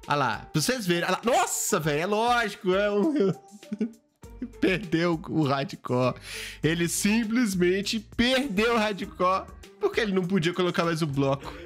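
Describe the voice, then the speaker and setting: A man, a gaming YouTuber, reacting to game clips in an excitable, exclamatory way, swinging from jumpy high shouts to low mutters.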